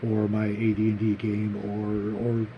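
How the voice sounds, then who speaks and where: A man hosting a casual, unscripted vlog about tabletop gaming, talking to viewers in a rambling, halting, conversational way. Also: lowish voice, monotone, lo-fi sound, a little hiss or hum. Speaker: host of a tabletop gaming vlog, game master.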